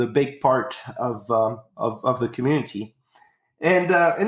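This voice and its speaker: A man talks in a French accent at a medium pitch and a fairly slow pace. His pitch varies in an ordinary way. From France, south of Paris. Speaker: farmer. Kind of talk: interview. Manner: halting, many fillers.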